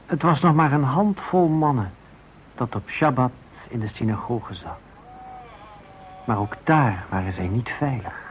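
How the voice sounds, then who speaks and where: A man narrating a radio drama in a grave, deliberate storytelling manner with pauses, his voice husky. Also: mid-range voice, animated, a little hiss or hum. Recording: narrow, lo-fi old radio sound.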